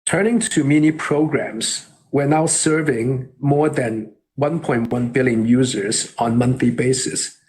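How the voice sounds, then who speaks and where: Speaking as a company executive, a man reads a scripted earnings call presentation in a formal, measured manner. His voice is medium-pitched, and the recording is rough.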